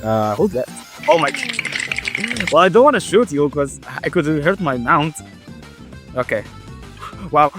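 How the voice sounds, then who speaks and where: A young man who stutters often, narrating and reacting loudly to a game he is playing, casual and swearing. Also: on the high side. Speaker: gaming YouTuber. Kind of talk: game commentary with voice-over narration.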